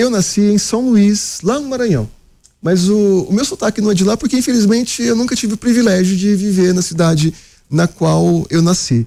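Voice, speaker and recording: The voice has a dark, mellow tone and a Minas Gerais accent, moving at a moderate pace with ordinary pitch variation. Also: man, high pitch for a man. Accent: mineiro. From Minas Gerais, Brazil (Uberlândia, Triângulo Mineiro). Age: 40s. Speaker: university professor, biologist. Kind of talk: radio interview. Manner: hesitant, many fillers and repetitions.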